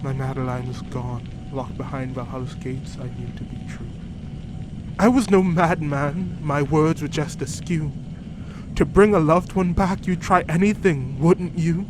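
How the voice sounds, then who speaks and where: A man's voice: on the high side, fairly even intonation, lightly acted. Man acting tormented British gothic lover over noise. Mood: pleading, defensive. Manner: theatrical, solemn, measured delivery. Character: grieving, love-struck old-timey British man, tormented grave digger. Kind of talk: dramatic rhyming horror poem narration.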